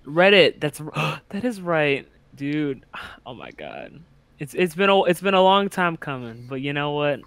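A man's voice: on the high side, big pitch swings, measured pace, fairly bright tone, clear, resonant tone, dry recording. A young man as a podcast guest, chatting casually in a jokey, slangy way. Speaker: podcast guest, YouTube cartoon animator. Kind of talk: casual joking chat.

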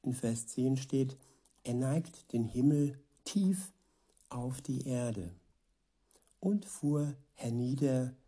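A man reading Bible verses aloud and reflecting on them as a preacher, in a measured devotional manner, repeating passages for emphasis. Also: medium pitch, warm tone, husky.

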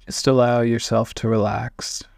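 A man leads a guided meditation at a very slow pace, leaving long gaps between short phrases. His calm voice has plenty of gravelly fry and stays level in pitch. He is heard up close, in a measured, instructional manner. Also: no echo.

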